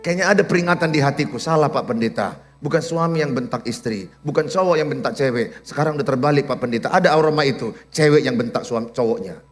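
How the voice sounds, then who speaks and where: A man preaching a sermon as pastor, in an animated, teasing and humorous way. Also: mid-range voice, fast talker, faint music behind. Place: church.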